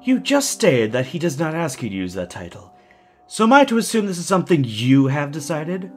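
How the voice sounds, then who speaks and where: A man's voice: on the high side, big pitch swings, fairly quick, faint music behind. An actor playing a deranged, genteel villain in an audio drama, formal and mocking, savoring his words with menacing sweetness.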